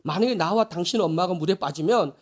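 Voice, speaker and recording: A man's voice: high-pitched, quick pace. A man voicing a distraught middle-aged wife who pleads tearfully with her pastor in a sermon anecdote. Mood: pleading.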